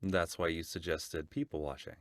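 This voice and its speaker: Very deep-voiced man hosting. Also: fairly even intonation, normal speed, dry recording, clean studio sound. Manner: gentle, encouraging, short affirmations. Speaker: podcast host. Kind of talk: interviewing a guest.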